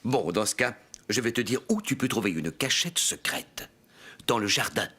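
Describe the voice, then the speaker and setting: A man's voice: mid-range voice, expressive, normal speed, pushed and bright, slightly rough, exaggerated voice. A man voicing a kindly, playful old grandfather in a children's cartoon, speaking expressively as if to a small child. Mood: gentle, conspiratorial.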